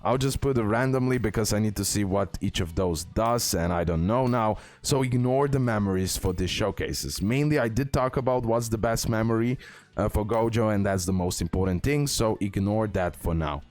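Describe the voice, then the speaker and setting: A man's voice: lowish voice, normal speed, darkish tone. A man giving casual, emphatic game guide commentary, often repeating himself as he addresses his viewers. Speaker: gaming content creator, host.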